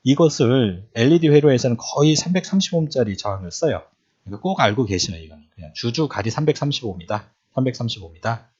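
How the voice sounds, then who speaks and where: 질문을 던지며 가르치는 남자 강사. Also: male voice, medium pitch, animated, quick pace, a little mellow, slightly rough. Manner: repetitive, quizzes listeners with questions. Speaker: electronics instructor. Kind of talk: classroom-style lecture. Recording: dull lo-fi recording.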